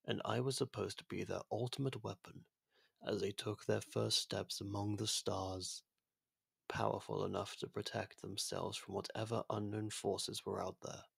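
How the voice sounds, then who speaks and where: Ancient world-ending entity for ASMR audio roleplay, male performer. Gravelly, even delivery, soft, formal and gently confiding. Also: fairly low pitch, normal speed, no echo, exaggerated voice. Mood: solemn, detached. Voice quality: husky, creaky, soft. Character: ancient genocidal otherworldly being, imprisoned, now courteous and fond.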